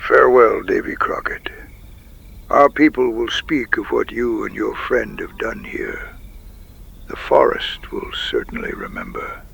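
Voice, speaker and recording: A man playing a wise, solemn Native tribal chief in a frontier audio drama, speaking gravely with a breathy, gravelly voice that often drops to a whisper. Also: on the low side, big pitch swings, a bit bright, full character voice. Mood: measured, wise. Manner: slow, measured, grave pronouncements.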